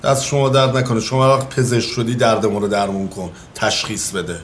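A man's voice: fairly low pitch, little pitch movement, slight background noise, natural voice. An actor playing a short-tempered middle-aged man who runs a garage and barks orders. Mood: sarcastic. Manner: gruff, commanding and short-tempered.

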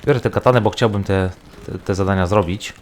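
A man commentates casually over his video game in a fairly low voice. He rambles and thinks aloud as he goes, with game noise audible behind him. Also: fast talker. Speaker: gaming video host.

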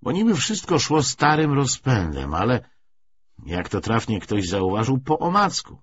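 A man reading a literary audiobook in an expressive, measured way with deliberate phrasing. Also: medium pitch, muffled recording, slight background noise. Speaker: audiobook narrator.

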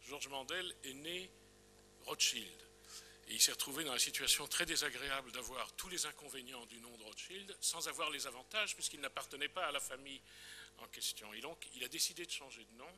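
A man's voice: medium pitch, brisk, sharp tone, slight background noise. A man giving an explanatory historical talk at a conference and addressing a colleague directly. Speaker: conference speaker. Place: conference hall.

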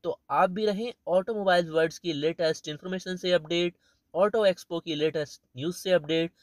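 Man, 30s, auto vlog host narrating an expo stand; slightly high pitch, dry sound, rattles off specs. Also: a little fast, dry recording. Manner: reeling off feature lists. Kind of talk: walkaround car show narration. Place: large indoor expo hall.

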